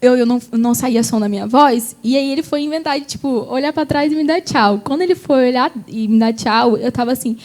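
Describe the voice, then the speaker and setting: A woman's voice: high voice, fairly quick, hardly any pauses, darkish tone. A young Brazilian woman, a gospel singer, telling an emotional personal testimony in a TV interview. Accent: Brazilian Portuguese. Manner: tells her story with feeling, fillers like "sabe?".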